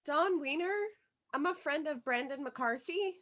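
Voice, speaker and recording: A woman's voice: high voice, a little slow, fairly bright tone. A woman playing an earnest, anxious young schoolgirl in a script read, speaking hesitantly and politely. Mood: nervous, polite. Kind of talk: virtual table read of a film script.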